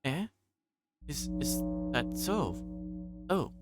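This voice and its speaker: A man's voice: fairly high pitch, sing-song, extremely slow, over loud music, pitched above the performer's own voice, exaggerated voice. A man voicing a polite, unsure young girl while reading a visual novel's dialogue aloud.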